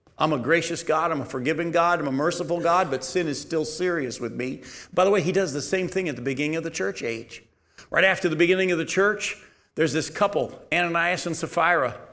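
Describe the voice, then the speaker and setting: Audible room echo surrounds a high-pitched man who speaks at a very fast pace with ordinary pitch variation. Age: 50s. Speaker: bible teacher. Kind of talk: sermon.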